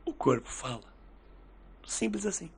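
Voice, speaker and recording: Slight background noise sits under a man whose voice is high-pitched and creaky, moving at a measured pace. On his casual podcast he tells lively stories, acting out the dialogue he quotes.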